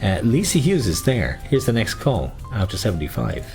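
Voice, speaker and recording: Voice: mid-range voice, sing-song, moderate pace, darkish tone, soft background music. A bingo caller with an Irish accent, chatting between numbers and repeating each one with its rhyming nickname.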